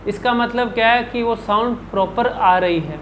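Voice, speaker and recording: A man's voice: very high voice, normal speed, fairly bright tone, a little hiss or hum, low-quality recording. A man working as a speech coach, answering viewer questions in an instructional video and demonstrating each sound by repeating syllables and words. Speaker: speech and public speaking coach.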